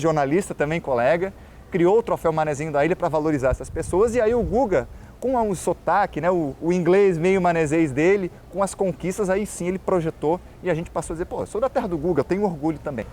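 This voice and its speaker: A tour guide and journalist from Florianópolis, Brazil, speaks with a local manezinho accent in a high voice with a darkish tone. In a casual interview he explains his points earnestly and addresses the host by name, with slight background noise.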